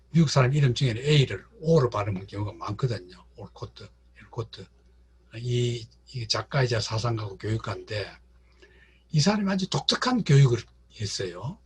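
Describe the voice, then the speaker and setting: A man's voice: medium pitch, husky. A man lecturing on literature to a class, repeating words and speaking straight to his listeners. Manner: repeats words and addresses the audience directly.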